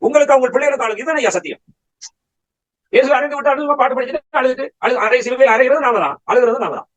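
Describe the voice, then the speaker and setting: A man's voice: very high-pitched, fast talker, low-quality recording. A man preaching a Bible study sermon, firing rhetorical questions at his listeners and pressing his points with emphatic exhortation.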